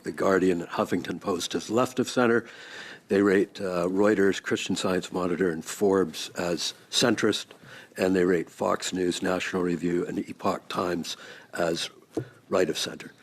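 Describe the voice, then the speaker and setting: A man's voice: sits low, fairly even intonation, normal speed. A man putting pointed, pressing questions in a formal hearing, as a committee member addressing a witness.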